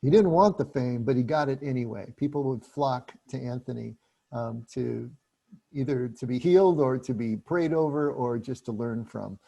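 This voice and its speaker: A man leading a group book study, explaining passages in a relaxed, chatty way with frequent restarts. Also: medium pitch, normal speed, creaky.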